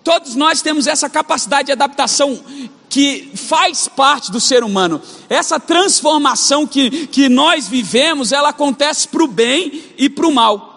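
High-voiced fervent young preacher. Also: male voice, animated, a little slow, gravelly, sharp tone. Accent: Brazilian Portuguese, mixed regional. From Brazil. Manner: fervent, repetitive preaching cadence. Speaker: pastor. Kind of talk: sermon. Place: church auditorium. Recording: long hall reverb.

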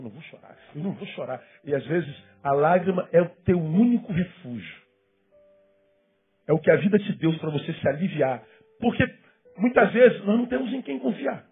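A man preaching a sermon as pastor, climbing to emphatic questions and dropping to hushed asides. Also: sits high. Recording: tinny phone-like sound with faint music behind.

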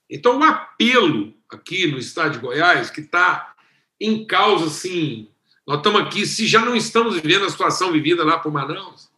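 A Brazilian man preaching as a pastor, talking in a conversational way with animated emphasis. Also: sits high, reverberant. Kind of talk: sermon.

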